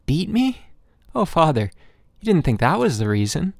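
A man's voice: on the high side, big pitch swings, moderate pace, creaky, a little mellow, dry recording, clean studio sound, voice pushed up, exaggerated voice. A man voicing an anxious, earnest seven-year-old farm boy in a storybook, pleading and eager. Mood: shocked.

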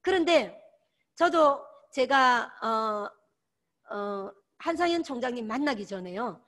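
A woman lectures her sales team in a bright, high voice. Her pitch leaps up and down with animated energy. She drives every point home by saying its key word again and again. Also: slow. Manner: emphatic, repeats key words, exhorting. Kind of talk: motivational training lecture.

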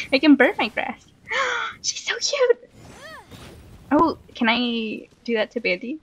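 Casting: excitable female gaming host, high voice, unhurried delivery, casual and giggly. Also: slight background noise. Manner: excitable, exclaiming, giggly, sing-song humming. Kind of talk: casual gameplay chat.

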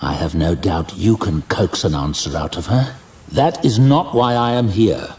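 A man playing a low, composed, wry archmage. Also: a little slow, a little hiss or hum. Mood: tense, controlled. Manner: light, dry, calm. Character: wry, composed male archmage, weary but courteous. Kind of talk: fantasy audio drama.

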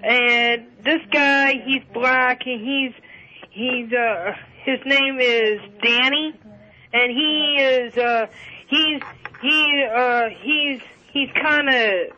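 A man calling in to a radio show over the phone, talking in a halting, rambling way full of restarts and fillers. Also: very high-pitched, fairly even intonation, bright, forceful tone. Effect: caller heard over a phone line. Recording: dull lo-fi phone line.

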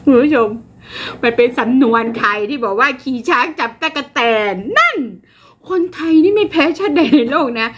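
Older female host, casual commentary, high-pitched bright voice. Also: lively intonation, moderate pace, slight background noise. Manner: chatty, addresses viewers, frequent fillers, laughs at jokes. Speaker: channel host.

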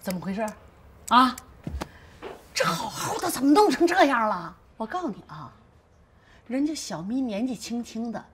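A woman's voice: on the high side, very animated, moderate pace, long pauses, fairly bright tone, a little hiss or hum. An actress playing an older mother-in-law in a TV drama, soothing at times, scolding and lecturing at others. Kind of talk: TV drama acting.

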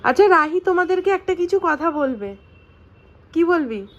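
A woman's voice: extremely high pitch, expressive, moderate pace, dull audio. A young woman, a mother, chatting in a family vlog and talking in affectionate baby talk to her small daughter. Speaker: vlogger mother. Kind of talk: casual family vlog chat.

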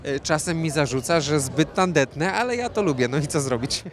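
A man in his thirties answering questions at an outdoor evening gala into a handheld mic, relaxed and rambling with many fillers. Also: fairly high pitch, moderate pace. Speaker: interview guest, fashion designer. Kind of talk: red-carpet interview. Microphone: handheld reporter mic.

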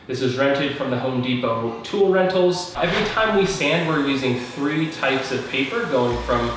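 A man's voice: mid-range voice, expressive, moderate pace, noisy background. Upbeat young man explaining home DIY. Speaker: DIY renovator. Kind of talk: DIY how-to walkthrough. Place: empty room under renovation, indoors. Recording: echoey bare room with music.

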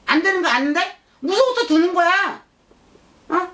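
A woman shaman channels a blunt little child spirit with a high voice that swings animatedly up and down. The speech is childish and nagging, circling back over the same words and pressing for agreement. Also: lively intonation, moderate pace, fairly bright tone. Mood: insistent. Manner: childish, insistent, repetitive, scolding with prompting questions. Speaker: shaman fortune-teller. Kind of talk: shamanic consultation, speaking as a spirit.

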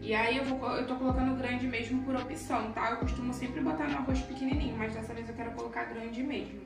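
A chatty young woman with a high voice talks her viewers through a recipe in a home kitchen, affectionate and casual. Her voice rings off the hard kitchen walls, picked up from a step back, with background music running underneath. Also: fairly even intonation, fast talker, vocal fry, recorded from a distance. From Brazil. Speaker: cooking vlogger. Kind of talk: casual cooking vlog. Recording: echoey kitchen from off-mic with music.

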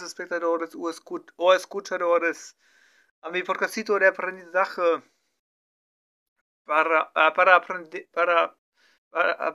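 A man practicing Spanish as a learner, talking slowly through an improvised story with many fillers, restarts and self-corrections. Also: high-pitched, pushed and bright, smooth. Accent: non-native Spanish learner. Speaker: language learner streaming his practice. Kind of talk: halting improvised practice talk.

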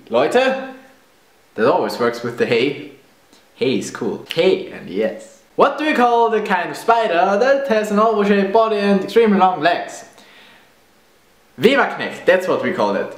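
A man's voice: high voice, echoey room. A young man in his twenties with a German accent, playful and self-mocking as he answers questions in a casual video. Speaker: vlogger. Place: room indoors. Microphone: camera at close range.

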